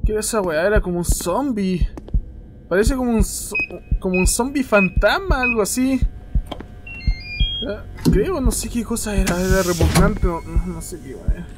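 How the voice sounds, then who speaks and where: Jumpy, high-pitched young Chilean gamer. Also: male voice, moderate pace, heavy background noise. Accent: Chilean Spanish. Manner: swearing often and yelping in fright. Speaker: gaming youtuber. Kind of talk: horror game let's play commentary.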